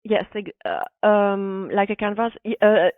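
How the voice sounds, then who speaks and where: A woman's voice: mid-range voice, normal speed, no echo. A woman guest on a podcast, answering enthusiastically in short, emphatic phrases over a remote call. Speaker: guest, artist and bag designer. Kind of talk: interview answers. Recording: tinny dry call audio.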